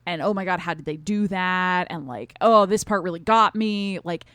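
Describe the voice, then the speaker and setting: A woman co-hosting a podcast, chatting casually through a review in an agreeable, expressive way and thinking aloud as she goes. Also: lowish voice, normal speed, no echo. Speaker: podcast co-host reviewing a stage play. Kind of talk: casual conversational review chat.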